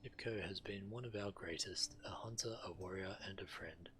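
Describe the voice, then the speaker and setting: A man's voice: sits low, normal speed, fairly bright tone, soft background music. A man reading solemn fantasy quest dialogue of tribal villagers aloud on a game stream.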